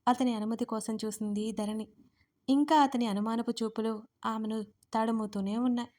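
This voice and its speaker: A woman with a Telugu accent narrating a romance audio story in a steady, expressive way. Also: on the high side, normal speed. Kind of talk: scripted narration.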